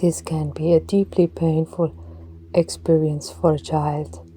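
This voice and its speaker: A woman leading a guided meditation in a slow, soft voice, some words dropping to a breathy whisper. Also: low-pitched, flat delivery, a little hiss or hum.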